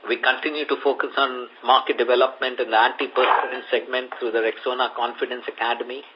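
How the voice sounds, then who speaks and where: A man's voice: mid-range voice, flat delivery, fast, slight background noise. A man with an Indian accent, reading a prepared earnings presentation as a company executive on a conference call. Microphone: conference call line. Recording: muffled conference call audio.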